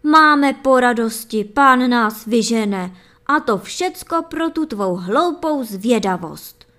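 A woman reading plays a poor laborer husband in a storybook fairy tale. He scolds and reproaches, and he raises his voice. The voice sits rather high. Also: expressive, close to an everyday voice. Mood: alarmed.

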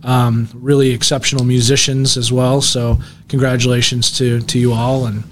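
A man's voice: medium pitch, flat delivery, normal speed. Male local radio host, casual and self-deprecating, slight background hiss. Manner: self-deprecating, laughs often, stumbles over names.

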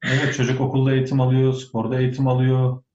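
Rapid-fire conversational male, repeats points for emphasis, dull roomy audio with faint noise. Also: mid-range voice, monotone, a little mellow. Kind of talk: casual chat.

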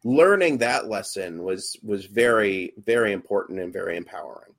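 A man's voice: fairly low pitch, lively intonation, normal speed, gravelly, fairly bright tone. A young adult man, a podcast co-host and actor, chatting casually and hesitantly with many fillers and restarts.

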